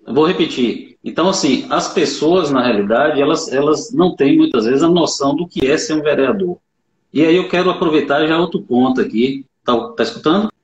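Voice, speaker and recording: A man's voice: a little high, brisk, echoey room, lo-fi sound. A man interviewing over a video call, his audio choppy and breaking up as he halts and repeats himself.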